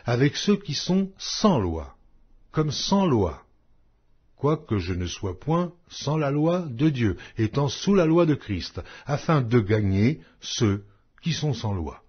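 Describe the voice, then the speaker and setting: A man narrates scripture in a solemn, measured and emphatic style. His mid-pitched voice moves with animated rises and falls and has a husky grain. The recording sounds dull and lo-fi. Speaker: narrator of an audio Bible.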